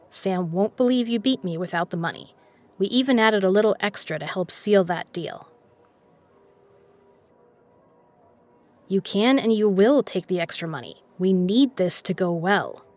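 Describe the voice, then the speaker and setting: A woman acting in an audio drama as a confident, teasing poker player who is frank and caring. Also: on the low side. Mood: assured, coaxing.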